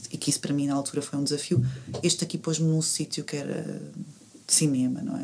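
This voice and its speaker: This woman's voice sits at a very deep, low pitch. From Portugal, Lisbon. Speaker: graphic designer and design course coordinator; podcast guest. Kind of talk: casual interview conversation. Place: studio. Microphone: studio mic.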